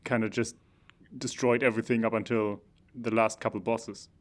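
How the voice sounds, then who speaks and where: A man co-hosting a casual podcast chat, talking in a relaxed, offhand way. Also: fairly low pitch, normal speed. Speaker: podcast co-host.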